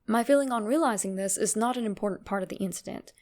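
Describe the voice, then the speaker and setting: A woman's voice: medium pitch, fast, darkish tone, lightly acted. A woman voicing an uneasy, formal man who recounts an uncanny apparition in a dramatic horror reading. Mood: insistent, unsettled.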